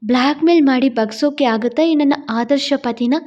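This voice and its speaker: A woman's voice: high-pitched, normal speed, dull audio, close to an everyday voice. A woman voicing an earnest young wife pleading with her husband in a storybook drama, in a coaxing, confident way.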